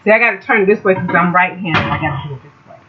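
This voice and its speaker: A woman's voice: lowish voice, very fast, faint music behind. A woman hosting a casual cooking vlog, chatting and explaining each step as she cooks. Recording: dull lo-fi home video sound.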